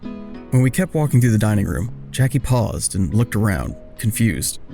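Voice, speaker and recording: An actor playing a wry, awkward man who narrates his own story in an audio drama with self-deprecating, deadpan, wordy humor. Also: fairly low pitch, moderate pace, vocal fry, faint music behind. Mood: wry narrating. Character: wry, awkward smoker man narrating a reunion with old friend. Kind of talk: first-person scripted narration and dialogue in audio drama.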